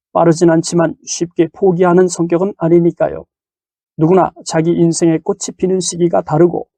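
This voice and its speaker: A man's high-pitched voice with a dark, mellow tone at a moderate pace, in a dry, close sound with no echo. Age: 60s. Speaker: retiree and freelance lecturer, video blogger. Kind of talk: scripted narration.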